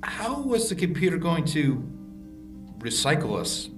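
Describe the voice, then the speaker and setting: A man voicing a wry young man trapped in a dark station, joking dryly to stay calm in an audio drama. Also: on the high side, a little slow, recorded from a distance. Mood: tense. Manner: dry, self-mocking humor. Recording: echoey room, off-mic, music behind.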